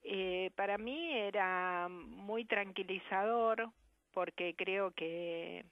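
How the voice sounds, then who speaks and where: A woman with an Argentine Spanish accent speaks in a measured, reflective way with careful diction. Her voice sits at an ordinary pitch for a woman. She comes through a somewhat muffled, dry phone line. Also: dry recording. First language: Argentine Sign Language. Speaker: sign language interpreter guest. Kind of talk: radio interview over the phone. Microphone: telephone.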